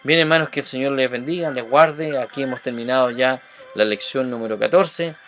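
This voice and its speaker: A man's voice: medium pitch, fairly quick, a bit bright, faint music behind. A man teaching a Bible lesson, reading scripture and explaining it earnestly, often checking in with listeners by asking "mm?". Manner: earnest, asks listeners rhetorical questions with repeated "mm?"; calls out quoted cries with raised voice when reading.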